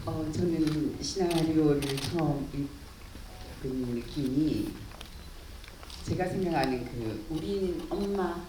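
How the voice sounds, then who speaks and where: A low-voiced older woman speaks slowly and gently at a film festival Q&A. She is picked up from a distance in an echoing cinema hall with steady background noise. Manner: slow, soft-spoken, addresses audience directly. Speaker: actress answering audience Q&A. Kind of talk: festival Q&A talk. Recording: echoey hall from far off, noisy.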